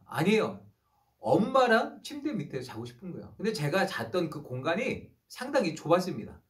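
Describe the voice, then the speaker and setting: A man's voice: high voice, a bit bright. A man in his thirties, a pastor preaching an online youth sermon with rising emphasis on key phrases.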